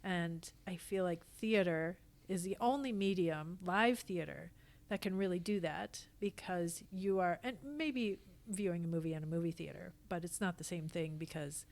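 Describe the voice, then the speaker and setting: A woman's voice: lowish voice, moderate pace, vocal fry, few pauses, a little mellow. A woman speaking as a podcast guest in casual, reflective conversation, with an earnest, emphatic way of talking. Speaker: podcast guest, theatre actor and company founder.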